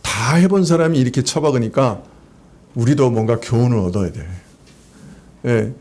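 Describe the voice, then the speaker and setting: A man with a mid-range, slightly mellow voice speaks at a moderate pace. He is a pastor preaching in a church sanctuary, addressing the congregation conversationally and posing rhetorical questions.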